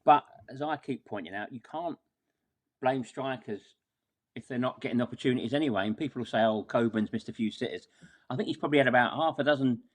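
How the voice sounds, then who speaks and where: A man's voice: medium pitch, fast talker. A man talking casually through a football match as a podcast guest, wordy and exasperated, often repeating words as he goes.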